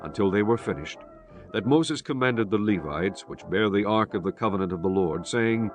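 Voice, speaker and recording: A man narrating scripture from a script in a solemn, formal and measured manner. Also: lowish voice, animated. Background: music.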